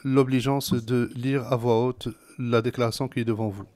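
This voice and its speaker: A man's voice: mid-range voice, little pitch movement, normal speed, mellow. A man working as a simultaneous court interpreter, calling out each speaker by role before rendering their words.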